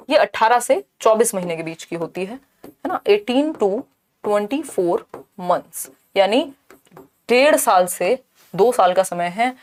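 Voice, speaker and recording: Woman teaching an exam-prep lesson. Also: medium pitch. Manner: explains step by step, mixing in English terms; asks rhetorical questions and checks in with "thik hai".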